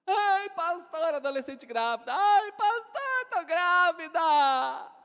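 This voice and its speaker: Woman doing a pleading young pregnant girl, high whiny voice, drawn out, long hall echo. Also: expressive, slow, fairly bright tone, heavily acted.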